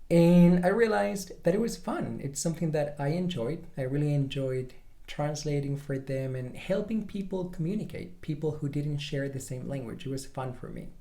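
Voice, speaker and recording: A young man from Chile with a Chilean Spanish accent, a pronunciation coach telling his own story in a relaxed way, with small restarts. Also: fairly high pitch, normal speed. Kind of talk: casual personal story to camera.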